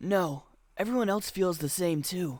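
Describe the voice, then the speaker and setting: A man uses a put-on character voice with a high pitch. He speaks at a moderate pace. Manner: put-on, altered voice.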